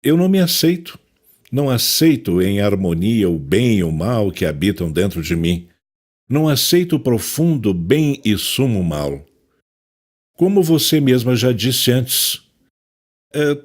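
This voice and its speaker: A man's voice: mid-range voice, very animated, a little slow. An actor with a Brazilian accent playing a tormented, self-loathing psychiatrist in an audio drama, anguished and theatrical as he confesses. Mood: anguished, pleading.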